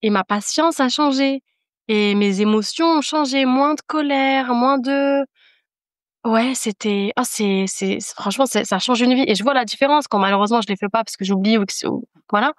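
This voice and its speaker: A woman's voice: a little high, normal speed, dry recording, clean studio sound. A woman speaking as a podcast guest in casual conversation, giving an earnest, emphatic personal testimony and repeating phrases for emphasis.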